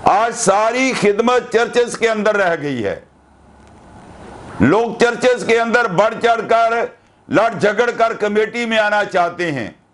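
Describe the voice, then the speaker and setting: An older man preaching a sermon to camera, earnest and deliberate, asking rhetorical questions. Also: high voice, expressive, a bit bright. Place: indoor studio with curtain backdrop.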